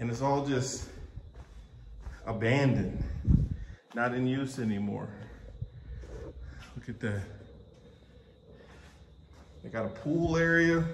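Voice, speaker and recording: Noticeable background noise fills the clip. Over it, a man talks with lively intonation. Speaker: vlogger touring site. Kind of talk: casual vlog chat. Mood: excited, impressed. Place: hall. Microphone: phone near.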